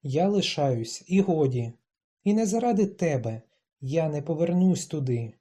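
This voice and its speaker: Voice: medium pitch, animated, unhurried, breathy edge. An audiobook reader voicing a proud, stubborn young woman who speaks in clipped, emphatic lines and rises into defiant outbursts. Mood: angry. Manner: clipped, emphatic, rising to shouts.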